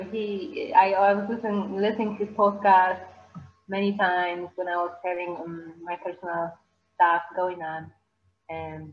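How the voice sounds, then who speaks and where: A woman with a Polish accent, medium pitch, fairly even intonation, and a moderate pace. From Poland. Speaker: actress and filmmaker. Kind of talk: casual interview. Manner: talkative.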